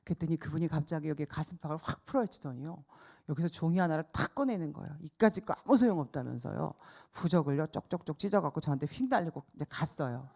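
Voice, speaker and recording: At a church service, a middle-aged woman evangelist shares a personal story as her sermon, bringing it alive by performing each character's voice. Her voice sits low and sounds gravelly and slightly rough, and she talks at a quick pace.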